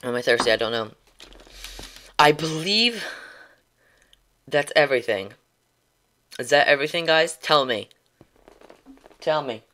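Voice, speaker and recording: A man's voice: fairly high pitch, expressive, measured pace, pauses often, bright, forceful tone. Rambling, tongue-tied young streamer guy. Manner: rambling, tongue-tied, many restarts and ums; chuckles while talking. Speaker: gaming streamer. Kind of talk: casual livestream sign-off chat.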